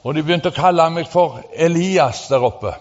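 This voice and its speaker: A man preaching, telling a personal testimony in a halting, then fervent and animated way. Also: a little high. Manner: animated, rising to fervent emphasis; halting with fillers and restarts. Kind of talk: sermon testimony storytelling. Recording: dull sound with long hall reverb.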